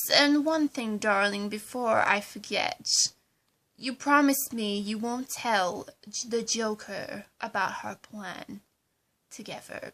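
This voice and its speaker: A woman voicing a scheming female supervillain in a fan roleplay, talking slowly and condescendingly and dropping into menacing whispers. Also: mid-range voice, a bit bright, breathy edge. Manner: slow, condescending, drops into menacing whispers, calls everyone darling.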